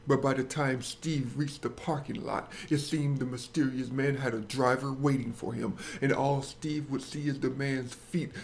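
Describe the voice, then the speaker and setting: A man's voice: mid-range voice, fairly even intonation, moderate pace, hardly any pauses, a little hiss or hum. A man hosting and narrating a dramatized comic story in a crude, sarcastic, mock-dramatic way. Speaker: host and storyteller.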